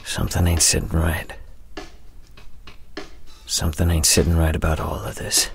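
A man's voice: extremely low pitch, monotone, normal speed, vocal fry, slight background noise. An actor playing a world-weary older man, brooding and wry, in a noir audio drama monologue. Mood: wary, weary.

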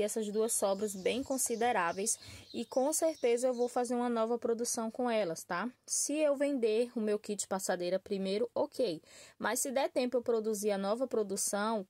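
A woman's voice: a little high, dry recording. A Brazilian woman hosting a crochet channel, talking casually to viewers in a chatty, friendly way with constant "tá?" and "né?" tags. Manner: chatty, warm-hearted, addresses viewers as "gente", frequent "tá?" and "né?" tags. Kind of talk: casual tutorial talk to viewers. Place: small room at a work table. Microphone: camera filming her hands and table from above.

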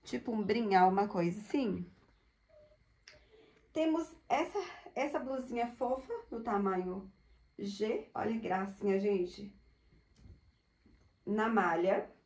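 A woman's voice: mid-range voice, a little mellow. A woman in her thirties from Brazil, showing thrift clothes to viewers in a chatty, upbeat way, recorded at home on the camera mic. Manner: chatty, upbeat, many diminutives and "olha só" asides. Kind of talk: casual product showcase. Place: small home room indoors. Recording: echoey room.

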